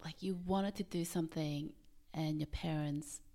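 Calm low-voiced woman podcast host. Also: a little slow. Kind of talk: podcast interview.

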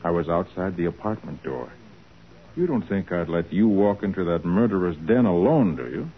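An actor playing a confident, wry master detective in a 1940s radio drama, cool, assured and teasing. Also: male voice, deep voice, expressive, normal speed, slightly rough. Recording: narrow-band 1940s radio recording, light noise.

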